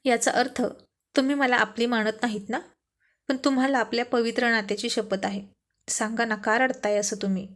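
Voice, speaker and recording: A woman playing a young, devoted wife with a spirited, teasing streak. She speaks in earnest, emotional storybook dialogue. Her voice is slightly high. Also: steady tone, normal speed, close to an everyday voice.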